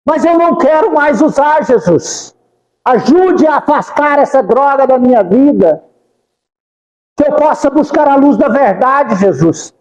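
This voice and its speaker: A man's voice: extremely high pitch, animated, measured pace, darkish tone, echoey room, in a large hall, poor audio. A man giving a devotional talk at a spiritist center, speaking fervent, pleading prayers and repeating the name of Jesus. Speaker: spiritist lecturer.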